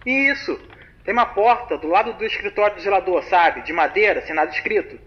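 A man's voice: sits high, expressive, brisk. An actor playing a young man, casually telling a spooky story over a phone call in slangy talk. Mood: chatty. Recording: muffled phone-call recording, faint hiss.

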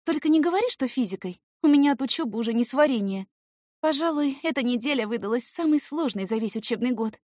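Woman playing a high-pitched, teasing young student woman. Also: animated, quick pace, dry recording, studio quality. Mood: playful, teasing. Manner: soft, playful, coaxing. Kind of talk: scripted audiobook character voice.

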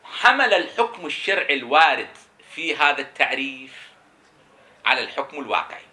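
A man's voice: medium pitch, very animated, bright, forceful tone. A man teaching a seminary lecture on jurisprudence, explaining emphatically and answering his own questions. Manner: repeats key terms slowly for emphasis.

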